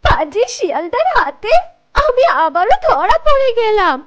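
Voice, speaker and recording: A woman's voice: extremely high pitch, sing-song, measured pace, muffled recording, heavily acted. A woman voicing a timid, gullible, sorrowful little mother tailorbird in a children's cartoon, pleading and stammering plaintively. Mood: tearful.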